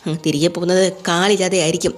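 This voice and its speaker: A woman acts out an older father in a family serial, vengeful and blustering as he swears to punish his son's accusers. The voice is low and the threats come quickly and plainly. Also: fairly even intonation, close to an everyday voice. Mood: threatening. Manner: menacing, blustering.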